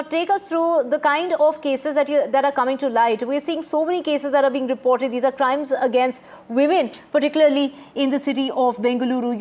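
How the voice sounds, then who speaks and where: A woman with an Indian accent anchoring live news and putting questions to reporters and guests. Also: high-pitched.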